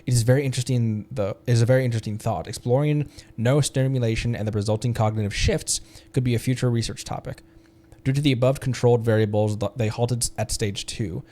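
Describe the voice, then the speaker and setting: Male game streamer, mid-pitched, stumbling a little through read-aloud text and commenting as he goes. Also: steady tone, fast, dark tone.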